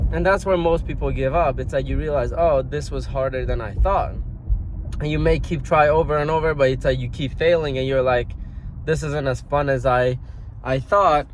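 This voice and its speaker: Young man, slightly high voice, rambling vlog delivery, clear outdoor street noise. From Iran. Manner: loose and rambling, clears throat often. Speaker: motivational vlogger. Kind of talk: casual to-camera talk.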